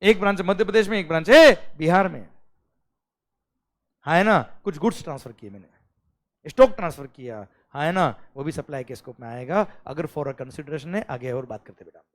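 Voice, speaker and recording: Animated Indian male tax lecturer, high voice with wide swings; drills terms like a chant. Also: moderate pace. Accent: Indian English. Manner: animated teacher, calls students "beta", repeats "clear?" loudly; mixes Hindi with English terms, chants lists rhythmically. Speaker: GST lecturer for accounting students. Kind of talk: live recorded classroom lecture.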